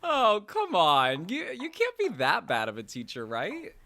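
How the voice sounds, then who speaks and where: A woman's voice: on the low side, wildly swooping pitch, measured pace, bright, forceful tone, exaggerated voice. A woman playing a supportive, teasing friend in an audio drama, casual and reassuring. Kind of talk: naturalistic audio drama acting.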